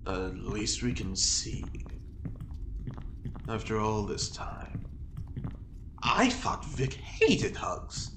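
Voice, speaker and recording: Wordy droll prisoner, slow lowish voice, theatrical, radio drama, roomy echo n faint noise. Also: male voice, very animated, full character voice. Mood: dryly sardonic. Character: droll, eloquent male prisoner with theatrical flair. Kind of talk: audio drama acting.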